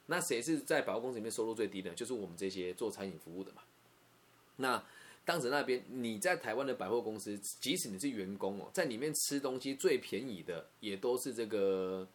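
A young man from Taiwan with a Taiwanese Mandarin accent, telling a personal story in an emotional, conversational way. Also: mid-range voice. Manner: emotional, conversational, repeats words and asks "you know?".

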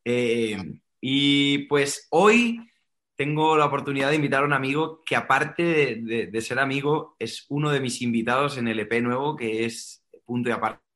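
A man's voice: medium pitch, moderate pace, a bit bright. A man from Spain with a Castilian accent hosting a casual interview podcast, chatting in an informal, joking way. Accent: Castilian Spanish, Spain. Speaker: podcast host.

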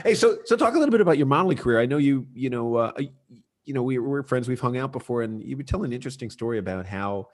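A man's voice: medium pitch, animated, fast talker. A man hosting a podcast, casual and joking with his guest. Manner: joking, teasing. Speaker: podcast host.

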